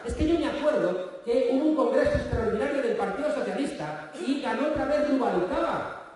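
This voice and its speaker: A man's voice: very high voice, a little mellow. A man from Spain with a Spanish accent giving a sarcastic, joke-filled political rally speech, talking straight to the crowd. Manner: sarcastic, joke-telling, addresses crowd directly. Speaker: political speaker. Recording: echoey hall, distant mic, faint crowd.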